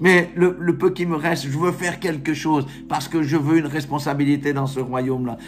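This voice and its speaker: Fairly quick speech with fairly even intonation, noticeable background noise and audible room echo. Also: man, fairly high pitch for a man. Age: 60s. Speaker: preacher. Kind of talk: sermon.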